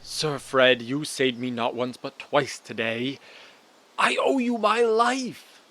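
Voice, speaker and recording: Man playing a slow, solemn, lovelorn king. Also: medium pitch, animated, fairly bright tone. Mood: devoted. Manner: formal, drawn-out declarations. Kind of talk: comic fantasy audio drama acting.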